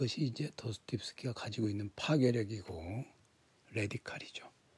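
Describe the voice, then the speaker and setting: The man's voice is somewhat breathy, with ordinary pitch variation and a moderate pace. The sound is dry and close with no echo, on a very clean recording with a silent background. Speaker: literature lecturer reading a book aloud. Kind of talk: book reading with lecture-style commentary. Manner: reflective, with frequent hesitations.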